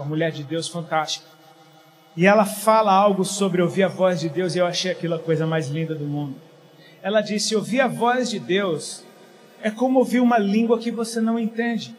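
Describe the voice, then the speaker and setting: This middle-aged man from Paraíba, Brazil, has a high voice. He preaches a casual, joking sermon that swings between quiet and loud passages.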